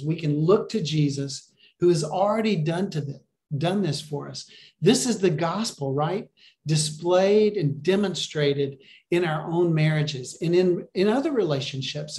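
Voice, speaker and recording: Pastor, male, fairly high voice, earnest and encouraging, preaching on a webcam. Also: unhurried, darkish tone. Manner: earnest, encouraging, asks the listeners questions. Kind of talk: sermon over a video call. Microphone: video call webcam.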